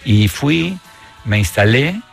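A man with an Argentine accent, a guest on a radio show, talking in a reflective, measured way with frequent pauses and restarts. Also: mid-range voice, lively intonation, creaky, faint music behind. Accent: Argentine Spanish. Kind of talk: relaxed radio conversation.

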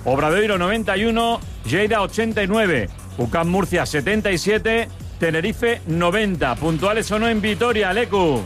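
A male radio host with an accent from Spain runs a live sports round-up. His voice sits fairly high. Music plays lightly under him as he passes between reporters. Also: animated, moderate pace, fairly bright tone. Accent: Spanish from Spain. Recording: radio broadcast over background music. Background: music bed.

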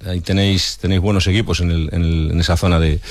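A man's voice: low-pitched, level tone, quick pace, no room sound, studio quality. A male sports radio interviewer asking questions in a conversational way, often ending with tag questions.

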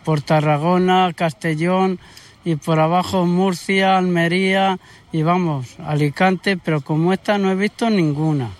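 A man's voice: sits high, fairly even intonation, unhurried, no room sound. A man from central Spain, a beach visitor, answering a street interview in a chatty, enthusiastic way and joking now and then. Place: outdoors on a beach.

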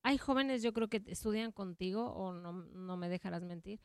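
A woman's voice: medium pitch, moderate pace, smooth, no echo, clean studio sound. A woman hosting an interview, asking questions and affirming often. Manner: frequent affirming backchannels. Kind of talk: casual interview.

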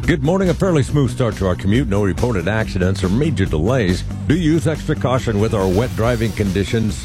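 A man's voice: on the low side, expressive, a little fast. An American man delivering a scripted traffic report on the radio. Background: music bed.

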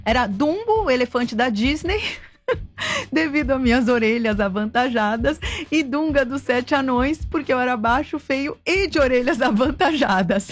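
A woman's voice: sits high, expressive, normal speed. A Brazilian woman hosting a radio show, chatting casually and reading out listener messages in an amused, informal way. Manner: amused, laughs often, informal. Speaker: radio host. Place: radio studio. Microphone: broadcast studio microphone. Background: music.

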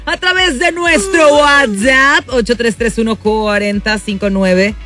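A woman's voice: fairly high pitch, a little slow, pushed and bright, faint music behind. A Mexican woman in her thirties hosting a radio show, reading listener messages in a bubbly, laughing, self-mocking way. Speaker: radio host. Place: radio studio. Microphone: studio microphone.

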